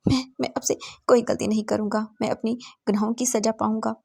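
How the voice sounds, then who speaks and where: A woman's voice: fairly high pitch, little pitch movement, a little fast, vocal fry, a little mellow, husky. A woman voicing a grieving, remorseful middle-aged father who stammers and repeats his words. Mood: pleading.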